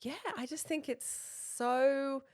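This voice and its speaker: A woman's voice: sits high, steady tone, slow, a little mellow. A woman in her thirties co-hosting a podcast, talking in an earnest, reflective way with frequent fillers. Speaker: podcast co-host. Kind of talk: casual chat.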